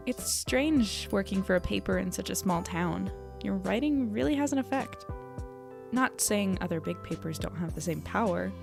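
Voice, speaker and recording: A woman's voice: medium pitch, gravelly, close to an everyday voice. A woman playing a candid, self-deprecating young journalist, reflective and a little hesitant, in a confessional audio drama diary. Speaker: lead actor and narrator of an audio drama.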